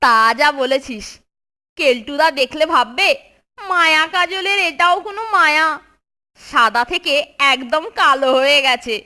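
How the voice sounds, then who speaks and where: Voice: high voice, lively intonation, a little slow, bright, forceful tone, full character voice. A performer voicing a mischievous, eager little schoolboy in a children's cartoon, conspiratorial in manner, with music behind. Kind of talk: Bengali children's cartoon dubbing.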